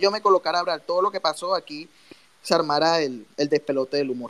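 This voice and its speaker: A man's fairly high, fairly even voice at a fairly quick pace, dry and close with no echo. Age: 20s. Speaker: political video maker and activist. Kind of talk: online panel discussion. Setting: online audio room.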